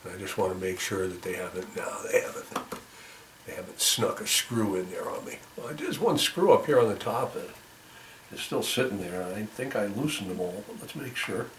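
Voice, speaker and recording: A man talking through a hands-on repair casually, thinking aloud in a careful, halting way as he works. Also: on the low side, animated. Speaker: volunteer repairer demonstrating a fix. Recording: roomy, distant mic, faint noise.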